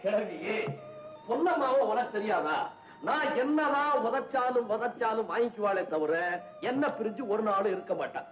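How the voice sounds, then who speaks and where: An actor playing a village father in an old film drama, talking in a blunt, rough way. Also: sits high, lively intonation, normal speed, soft background music. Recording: echoey old film soundtrack.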